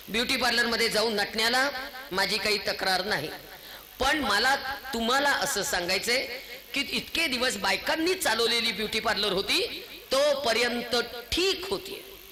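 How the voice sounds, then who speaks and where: A woman giving an impassioned, scolding speech to an audience, firing off rhetorical questions. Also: fairly high pitch. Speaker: public speaker. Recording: echoey hall.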